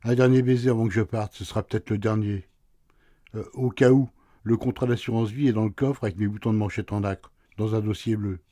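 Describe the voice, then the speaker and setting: A man's voice: fairly low pitch, fairly even intonation, brisk, mellow, no echo, close to an everyday voice. An actor playing a sleepy, teasing husband in a radio play, answering his wife with dry sarcasm. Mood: grumpy, teasing. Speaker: husband woken at night.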